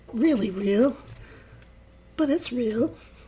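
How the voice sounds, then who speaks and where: The speaker is a woman with a high pitch. Her intonation sounds lively. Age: 70s. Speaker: vlogger. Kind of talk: casual chat. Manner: rambling conversational.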